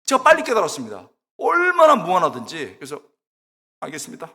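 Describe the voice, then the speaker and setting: A middle-aged man preaching a sermon, telling funny stories in an animated, exclamatory way and acting out the people in them. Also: a little high, a little fast. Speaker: guest preacher, preaching professor. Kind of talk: sermon with humorous storytelling. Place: church sanctuary. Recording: long church reverb.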